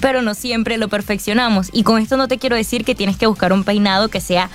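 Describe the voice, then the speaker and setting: A woman's voice: fairly high pitch, fairly even intonation, fairly quick. A Venezuelan woman who is a guest on a radio show, friendly and explanatory, laughing often. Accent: Venezuelan Spanish. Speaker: guest image adviser. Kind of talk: casual radio interview chat.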